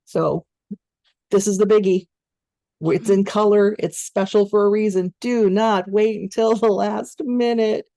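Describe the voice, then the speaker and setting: Low gravelly woman walking students thru voice over tips, dark voice, dry sound. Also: measured pace, no room sound. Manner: instructive, conversational, steady explanations with fillers. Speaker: voice-over coach. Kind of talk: online training webinar.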